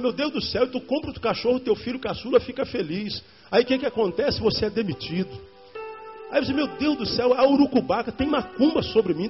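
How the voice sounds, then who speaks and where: Man, high lively voice, preaching, dull recording with faint music. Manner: animated preaching, repeats lines for emphasis, addresses congregation directly. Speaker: pastor. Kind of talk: sermon.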